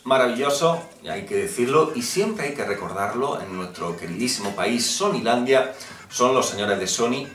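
A man's voice: medium pitch, expressive, fairly bright tone, far from the mic. Sarcastic Spanish man in an echoey room. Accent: Spanish from Spain. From Spain. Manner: mock-outraged, sarcastic, many drawn-out hums. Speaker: gaming vlogger. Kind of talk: satirical gaming news rant.

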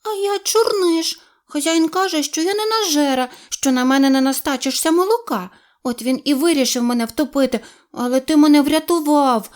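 A woman's voice: high voice, moderate pace, hardly any pauses, voice pushed up, close to an everyday voice. A woman voicing a thin, wet, timid little male black kitten in an audio storybook, with a plaintive mewing manner. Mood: pleading.

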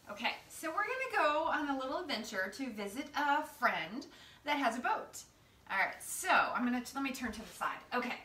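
In her living room, a yoga teacher with a high, bright, forceful voice leads the class through step-by-step cues that are playful, informal and encouraging. The sound is roomy and homey, captured by a camera positioned far across the room.

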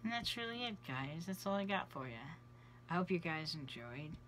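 This trans man in his thirties vlogs in a cramped, cluttered bedroom, with the camera close at face level. His voice is changing on testosterone, and his casual chat often drops off to a near whisper. He speaks at a normal speed in a voice on the high side that is expressive and fairly bright, with a little hiss or hum.

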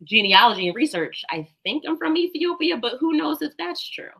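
Bright-voiced woman doctor explaining. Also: high-pitched, big pitch swings, brisk, vocal fry, rough recording. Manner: confident, explanatory. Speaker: doctor and guest. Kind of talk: explaining health facts. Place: home room, video call.

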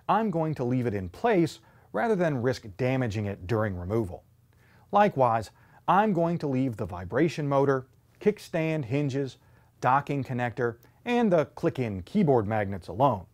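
A man in his thirties presents a scripted hardware teardown in a clear, emphatic voice. His pitch moves a lot as he stresses key points, sitting at a mid height for a man. He is recorded on a small indoor studio set. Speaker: tech show host.

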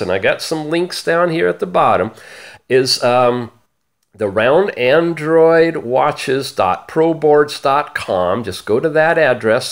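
A man hosting an upbeat gadget news video, talking theatrically and drawing out key words for emphasis. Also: a little high. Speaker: host of a smartwatch review channel. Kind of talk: upbeat product-news presentation to camera.

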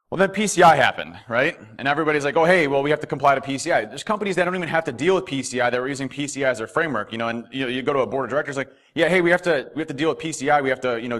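Standing at a podium in a hotel ballroom, a man delivers a conference keynote in a lively, fast manner. His medium-pitched delivery is peppered with fillers and false starts.

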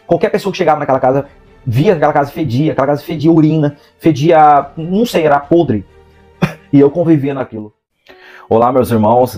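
A man's voice: medium pitch, darkish tone. Earnest Brazilian man in his thirties. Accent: Brazilian Portuguese, São Paulo interior. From Brazil, interior of São Paulo state. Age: 30s. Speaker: missionary giving a testimony. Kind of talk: religious testimony to camera. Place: indoor room, seated in a gaming chair. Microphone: clip-on lapel mic.

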